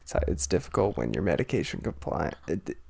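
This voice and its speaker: A podcast co-host in casual conversation, speaking haltingly in short, agreeing remarks. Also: low-pitched, sing-song, gravelly, darkish tone, breathy edge.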